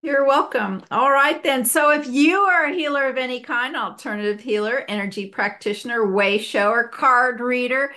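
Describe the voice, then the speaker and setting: An enthusiastic woman hosts a casual interview, her voice sitting a little high and bright in pitch. She chats warmly and freely, laughing easily between questions, heard over a video call. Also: normal speed, few pauses. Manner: enthusiastic, chatty, laughs often. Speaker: podcast host.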